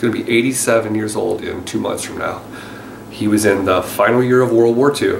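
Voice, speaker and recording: A man is speaking. Background noise is noticeable. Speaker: lawn care business owner. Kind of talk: casual talk to camera.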